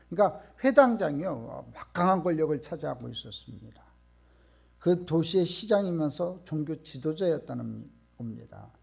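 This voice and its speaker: A middle-aged man preaching a sermon in a church, emphatic and questioning the congregation, often swelling to loud outbursts. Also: on the high side, vocal fry, husky, muffled recording. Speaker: pastor. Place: church sanctuary.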